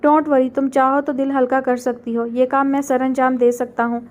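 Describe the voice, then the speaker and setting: A woman's voice: high voice, level tone, moderate pace, natural voice. A woman reading as a teasing young man.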